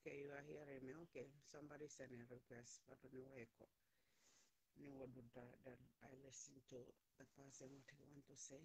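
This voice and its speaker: A woman's voice: rumbling low, flat delivery, fairly quick, darkish tone, slightly rough, low-quality recording. A woman in her forties hosting a phone live stream, talking heatedly and repeating lines for emphasis. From Gambia. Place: indoors, small room, plain wall. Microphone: phone at arm's length.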